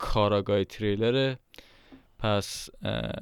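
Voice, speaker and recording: A man talks at a very slow pace. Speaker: film podcast host. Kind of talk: casual film review chat.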